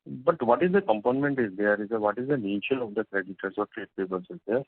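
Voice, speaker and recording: A man asking halting, loosely worded questions as an analyst over a conference call line whose audio keeps breaking up. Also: on the low side. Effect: conference call phone line with breaking audio. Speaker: analyst caller. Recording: tinny phone line with hiss.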